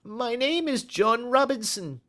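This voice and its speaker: A man voicing a nervous, frightened little man who whines in a high, quavering voice in a storybook reading. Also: lively intonation, a little slow, pushed and bright, full character voice. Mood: hesitant.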